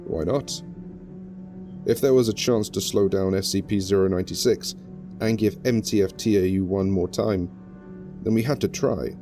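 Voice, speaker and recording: A man's voice: deep voice, close to an everyday voice. A man as a curt senior researcher. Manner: brisk, dismissive, matter-of-fact. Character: calm, terse male senior researcher. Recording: music playing underneath.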